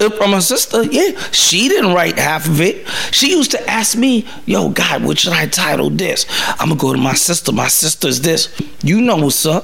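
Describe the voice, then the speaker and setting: With very even loudness, a man talks over noticeable background noise. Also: moderate pace. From Boston, Massachusetts. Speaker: music promoter. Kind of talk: casual interview.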